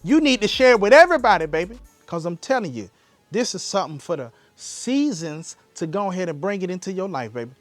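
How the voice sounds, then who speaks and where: A man's voice: sits high, big pitch swings, a little fast, no echo, faint music behind. A man from Alabama with a Southern Black American accent hosting a casual solo podcast, talking straight to listeners in a folksy way full of rhetorical questions. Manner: folksy, direct address with rhetorical questions and endearments like "baby". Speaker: podcast host.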